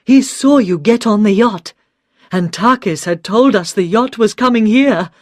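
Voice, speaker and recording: Sex: man, voiced by a woman reader. Figure: steady, helpful friend in a storybook. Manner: clear, explanatory. Pace: slow. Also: medium pitch, no echo, studio quality, pitched above the performer's own voice, natural voice. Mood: explaining.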